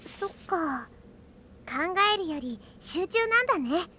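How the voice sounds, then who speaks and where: A woman's voice: very high-pitched, sing-song, measured pace, pushed and bright, a little hiss or hum, exaggerated voice. A woman playing a cheerful, eager, earnest young girl learning magic in a Japanese anime audio drama, with a sweet childlike manner. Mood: relaxed, musing.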